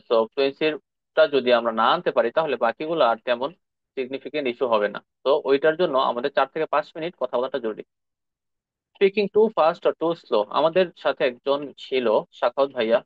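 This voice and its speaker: A Bangladeshi man talks fast through an online speaking lesson, easygoing and explanatory. His voice sits close and dry. The sound is a bit dull and muffled. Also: medium pitch, dry recording. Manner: conversational, explaining with filler sounds and English terms. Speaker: IELTS speaking tutor. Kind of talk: online teaching session.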